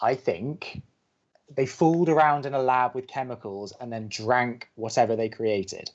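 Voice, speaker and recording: An actor playing an earnest, flustered young campus radio co-host who talks with fretful, exasperated emphasis. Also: male voice, mid-range voice, steady tone, measured pace, lo-fi sound, lightly acted. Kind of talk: bantering audio drama dialogue.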